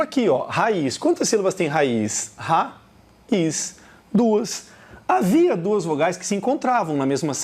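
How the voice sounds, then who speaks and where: A middle-aged man with a Brazilian Portuguese accent teaching a recorded lesson, talking straight to the viewer. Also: on the high side. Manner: animated, talks straight to the viewer.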